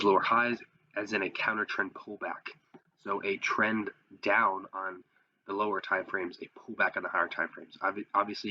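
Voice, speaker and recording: A man's voice: on the low side, pushed and bright, dry recording, highs cut off. A man who sounds sick, giving a casual tutorial as host and explaining things step by step with rhetorical questions. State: sick, voice affected by illness. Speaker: host, trading instructor. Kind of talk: casual tutorial commentary over trading charts.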